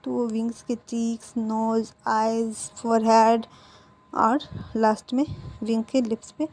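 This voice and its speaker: A woman's voice: fairly high pitch, flat delivery, measured pace, darkish tone, a little hiss or hum. A woman retelling a fan fiction story aloud in a casual, conversational way with fillers.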